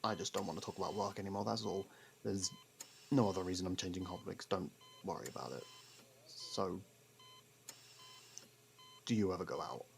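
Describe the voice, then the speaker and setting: A man acts out a guarded male convict in an intimate audio roleplay, his voice low and heavy with fry. He is sardonic and defensive, stumbling over denials that he cares. Clear noise sits behind the voice. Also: normal speed, long pauses. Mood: prodding, evasive. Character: gruff, guarded convict partner secretly fond of a detective.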